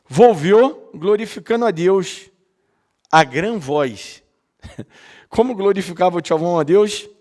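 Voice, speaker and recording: A man delivers a sermon, sliding freely into words. His voice sits a touch high. He keeps it conversational, ironic asides and constant questioning tags aimed at the listeners. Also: animated, slow, long pauses, darkish tone. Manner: mixes Portuguese and Spanish, ironic asides, rhetorical "não?" tags. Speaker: preacher.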